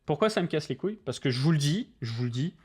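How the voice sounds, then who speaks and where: A man's voice: on the high side, animated, quick pace, husky. A man hosting a livestream, talking casually, bluntly and animatedly, with lots of slang and swearing. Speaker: crypto channel host.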